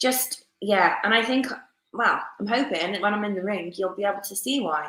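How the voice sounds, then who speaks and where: With music in the background, a woman talks with ordinary pitch variation. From England. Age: 30s. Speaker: professional boxer. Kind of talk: interview.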